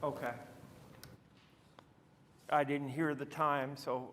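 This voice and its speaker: A man's voice: fairly high pitch, flat delivery, slow pace, a bit bright, slight background noise. A man giving public comment at a council podium microphone, conversational and rambling with restarts. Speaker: citizen speaker at council meeting. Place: council chamber. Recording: reverberant council chamber.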